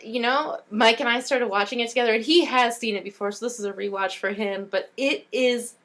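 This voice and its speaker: A woman's voice: fairly high pitch, a little fast, a bit bright. A woman chatting casually and informally as a podcast co-host, with an enthusiastic way of talking. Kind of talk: casual chat.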